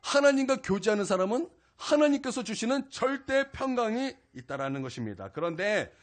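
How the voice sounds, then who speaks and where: A male pastor preaching a weekday sermon, telling a personal story in an animated way. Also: sits high, a little fast. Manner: animated storytelling, acts out his own angry outburst. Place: small church service.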